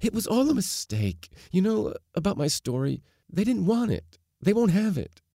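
A man's voice: on the low side, lively intonation, takes it slowly, gravelly, warm tone, no room sound, studio quality, heavily acted. A man voicing a distressed, timid young daughter in an audiobook story, faltering and pleading. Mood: bursting out, pleading.

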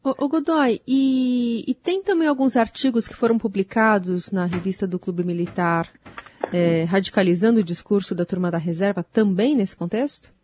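A woman hosting a news program who puts brisk, direct questions to a guest. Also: medium pitch, darkish tone. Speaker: host.

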